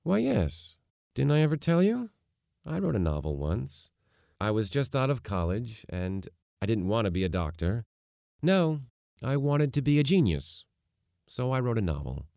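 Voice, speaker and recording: A man voicing a gentle, kindly middle-aged father in an audiobook story, quiet, understated and reassuring. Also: medium pitch, very animated, moderate pace, gravelly, no echo, clean studio sound, voice pushed up. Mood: wryly confiding.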